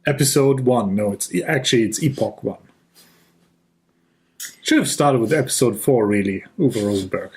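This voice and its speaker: A German-accented man co-hosts a board game chat show at a middle pitch. He rambles in a dry, mock-serious way and often restarts his sentences. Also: moderate pace, long pauses, darkish tone. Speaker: podcast co-host. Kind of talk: casual chat.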